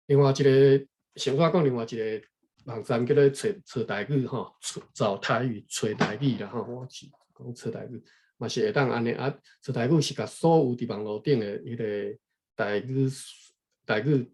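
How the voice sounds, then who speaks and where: A man from Taiwan reading a history book aloud unscripted, thinking aloud, pausing to look up words and adding frequent tag particles. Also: medium pitch, darkish tone. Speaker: reader explaining a history book to viewers. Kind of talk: unscripted read-aloud with running commentary.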